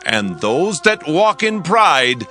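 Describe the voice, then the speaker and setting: A man's voice: fairly high pitch, big pitch swings, slow, pushed and bright, heavily acted. An actor playing an exalted king of Babylon in a dramatized scripture recording, declaiming in a grand, regal manner. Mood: reverent, exalted. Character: proud, exalted king of Babylon, boastful then reverent. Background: faint music.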